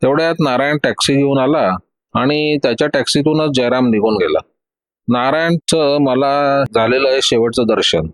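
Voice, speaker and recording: Everyday male snack seller, matter-of-fact, mid pitch, as a narrator puts him on. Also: normal speed, close to an everyday voice. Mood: plain. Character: plain middle-aged male street snack seller witness.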